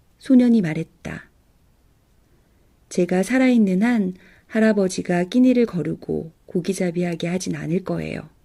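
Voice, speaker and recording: Her voice sits at a medium pitch with a dark, mellow tone. The woman is heard on a very clean recording with a silent background. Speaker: audiobook narrator. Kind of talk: audiobook novel reading.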